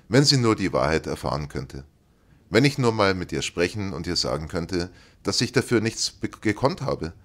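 A man's voice: sits low, a bit bright, exaggerated voice. A man reading the part of the fearful, pleading ghost of a hanged man in an audiobook. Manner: pleading, fearful, self-pitying.

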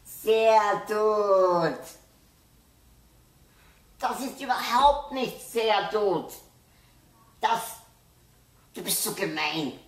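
A woman's voice: extremely low pitch, slow pace, voice pushed up, full character voice. A woman voicing an anxious, stubborn young boy who pleads and snaps in a storybook reading. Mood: angry. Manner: pleading, turns to angry shouting. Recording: roomy, distant mic, faint hiss.

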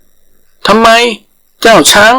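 A man's voice: slow pace, bright, forceful tone. A man voicing a cocky, taunting, boastful tiger with a bossy manner in a folktale. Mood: provoking. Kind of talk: animal folktale storytelling.

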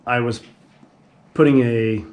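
A man's voice: medium pitch, very slow, a little mellow, slight background noise. Rambling man on a home tour. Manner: rambling, self-correcting, frequent throat clearing. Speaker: homeowner giving a house tour. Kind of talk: casual handheld tour narration.

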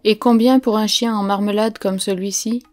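A woman's voice: medium pitch, fairly even intonation, moderate pace, a little mellow, close to an everyday voice. A woman reading the part of a stern, commanding mining engineer who gives curt orders.

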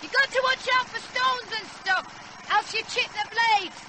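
A woman's voice: very high-pitched, moderate pace, noisy background. An actress playing a blunt, rebellious fifteen-year-old girl with a British accent in a radio drama. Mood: playful, bossy.

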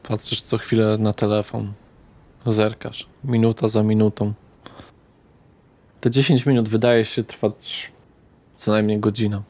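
A man narrating a tabletop role-playing game as game master in a measured, subdued way. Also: lowish voice, little pitch movement, a little mellow.

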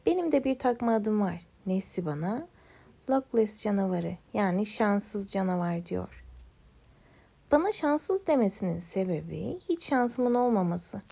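A young woman tells a children's story in the first person, gentle and wistful. Her voice is mellow with a gravelly fry underneath. The recording has a slightly muffled, lo-fi sound. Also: medium pitch, very animated, measured pace.

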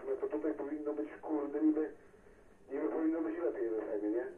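A man's voice: on the high side, fairly quick. Male, casual CB radio operator, echoey transmission picked up from a distance, unsure, everyday slangy talk. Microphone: radio microphone heard through a receiver speaker. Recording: tinny band-limited radio signal, echoey, distant, noisy.

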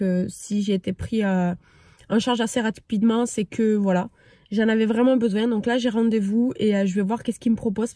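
A woman's voice: on the high side, darkish tone, dry recording. A young woman talking casually to her phone camera in a vlog, hesitant, with many fillers. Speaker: vlogger. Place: hospital, then outdoors by traffic.

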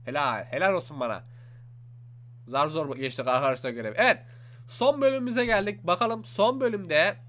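A young man giving excited let's-play commentary, exclaiming and talking to his viewers as he plays. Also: fairly high pitch, moderate pace. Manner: animated, exclaims and talks to viewers. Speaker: gaming YouTuber. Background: faint game music.

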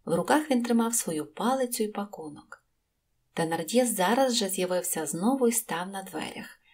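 A woman reading an audiobook, narrating a classic story in a measured, deliberate way. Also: mid-range voice, expressive, a little mellow. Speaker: audiobook reader. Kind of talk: scripted narration.

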